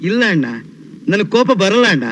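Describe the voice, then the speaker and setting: A man's voice: high-pitched, big pitch swings, brisk, a little hiss or hum. An actor playing a pompous male politician who keeps politely insisting he never gets angry, from a film comedy. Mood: insistent. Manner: overly polite, then shouting denials.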